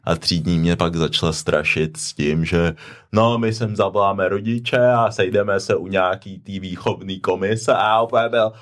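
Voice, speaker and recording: Deep-voiced young man telling stories. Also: fairly even intonation, a bit bright. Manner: storytelling, laid-back, mixes in English slang. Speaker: podcast co-host. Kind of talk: casual chat.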